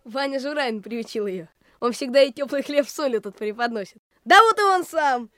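An eager, chatty little boy who drives a cart in a radio play. The voice is high and bouncy, recorded close and dry. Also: animated, fairly quick, bright, forceful tone, no room sound. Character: lively young boy cart driver, soldier's son. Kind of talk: radio drama acting.

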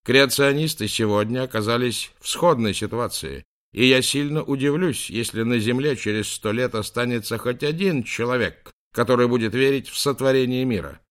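A man's voice: mid-range voice, a little fast, hardly any pauses, clean tone, voice pushed up, close to an everyday voice. A man voicing a confident male geology professor, lecturing emphatically. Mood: emphatic.

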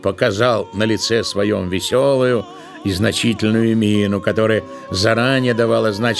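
A man's voice: lowish voice, creaky. A man narrating a literary tale as a scripted storyteller in an audio drama.

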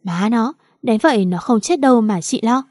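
Brash, abusive jealous wife, voiced by a woman narrator; hostile and coarse, mellow tone. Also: on the high side, lively intonation, moderate pace, dry recording, clean studio sound.

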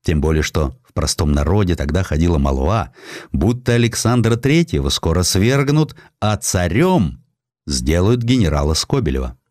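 A man reading a historical sketch as an audiobook narrator, in an expressive, dramatized storytelling manner. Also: deep voice, normal speed, no room sound, clean studio sound. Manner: expressive storytelling, voicing quotations.

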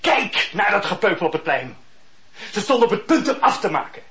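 A pompous gouty old judge. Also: male voice, sits high, big pitch swings, a little fast, sharp tone, full character voice. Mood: angry. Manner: smooth, patronizing, groaning in pain. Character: pompous gout-ridden male chief judge husband. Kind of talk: radio play acting. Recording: dull lo-fi radio recording.

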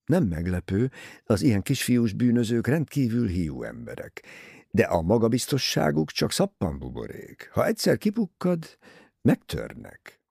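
A stern, practical middle-aged male officer, as a male reader voices him in an audiobook, brisk and matter-of-fact. The voice is low, gravelly and husky, with wide swings in pitch. It sits dry and close. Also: wildly swooping pitch, darkish tone, no echo, full character voice.

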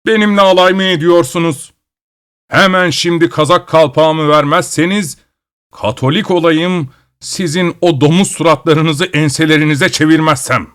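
A man voicing a hot-tempered old Cossack grandfather who shouts and curses. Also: a little high, fairly even intonation, moderate pace, pitched above the performer's own voice, lightly acted. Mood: furious. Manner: shouting and cursing. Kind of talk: storytelling.

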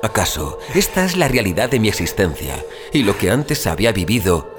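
A troubled man on a strange journey , acted by a man, tells his haunting dream as audio fiction. His voice sits fairly low and moves with very animated intonation. He is theatrical and suspenseful, pausing for effect, with prominent music behind him. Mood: bewildered, eerie. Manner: theatrical, suspenseful, with deliberate dramatic pauses. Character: troubled male wanderer recounting a haunting dream. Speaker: narrator. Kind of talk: dramatic first-person audio fiction narration.

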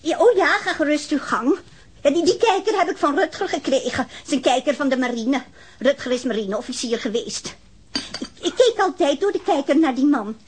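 An actress playing a chatty, nosy, easily indignant woman witness in a radio drama, rambling and insistent, with a husky voice. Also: sits high, lively intonation, moderate pace. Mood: gossipy, confiding.

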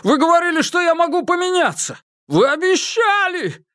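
A man's voice: sing-song, normal speed, sharp tone, dry recording, clean studio sound, full character voice. A man reading an audiobook voices a panicked young man who shrieks and whines as he begs. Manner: shrill, whining, begging. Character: hysterical pleading man, young adult.

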